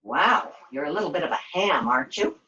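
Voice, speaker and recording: A woman's voice: deep voice, lively intonation, brisk, bright, forceful tone, pitched below the performer's own voice. A woman voicing a weary, scatterbrained heroine of a fairy-tale quest, dramatic and exclamatory as she talks to herself. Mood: playful, bossy. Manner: dramatic, self-talking, exclamatory. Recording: dull lo-fi sound.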